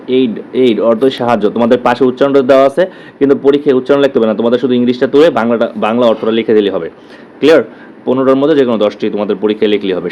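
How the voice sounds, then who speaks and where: A man with a Bangladeshi Bengali accent leads an exam-prep lesson at an even, middling pitch. He drills each term, says the words slowly more than once and keeps checking that students follow. A faint hiss sits under his voice. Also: low-quality recording. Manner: drills terms, repeats words slowly, asks "clear?". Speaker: teacher.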